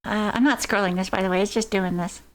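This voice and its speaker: A woman's voice: mid-range voice, fairly even intonation, quick pace. A woman streaming a game, casually commenting and reading on-screen poems aloud. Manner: reads in-game poems aloud, chats to chat. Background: game music and insect sounds.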